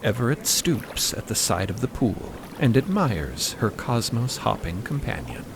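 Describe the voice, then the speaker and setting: A man narrating a scripted audio drama in a deliberate, wry way. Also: on the low side, sing-song, gravelly, noisy background.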